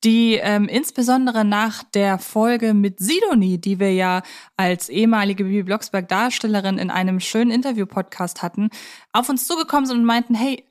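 A woman's voice: medium pitch, moderate pace. A woman hosting a podcast in a conversational style, explaining things at chatty length. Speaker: podcast host; film journalist.

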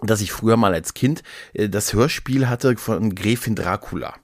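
Low-voiced man telling stories in a close, dry recording. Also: moderate pace, no echo. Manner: rambling, repeats words, playful. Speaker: podcast co-host. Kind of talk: casual conversational storytelling.

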